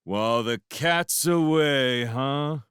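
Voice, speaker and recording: A man's voice: mid-range voice, big pitch swings, slow, smooth, dry recording, clean studio sound, pitched above the performer's own voice. A man voicing a soaked, very drunk fisherman who scolds people with theatrical mock outrage. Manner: slurred, theatrical, shouting.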